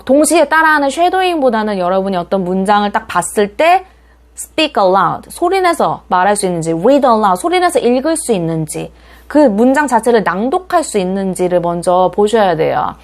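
A woman teaching an online English lesson, explaining in a lively way and repeating English example phrases slowly and clearly. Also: mid-range voice.

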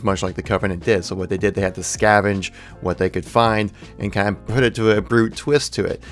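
A man's voice: on the low side, clean tone. A man hosting a gaming channel, giving news commentary in an enthusiastic, informal way.

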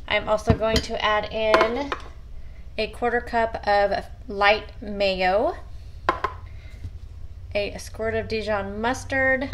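A woman walks her viewers through her weekly meal prep in a relaxed, chatty way, talking straight to them as she works. Her voice sits at a middle pitch. The kitchen recording carries a faint background hiss. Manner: chatty, talks to viewers as "you guys". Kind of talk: casual cooking walkthrough. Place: home kitchen counter.

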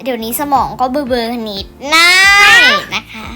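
A woman's voice: on the high side, expressive, moderate pace, loud music behind the voice. A woman hosting a casual chat in a playful, chatty and teasing way. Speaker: channel host.

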